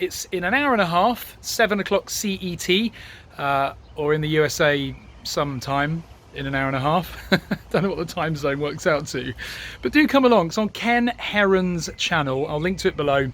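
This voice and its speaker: A man with an English accent speaks at a fairly quick pace in a high voice, his intonation lively. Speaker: drone video youtuber. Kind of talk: casual promo announcement. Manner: casual, chatty.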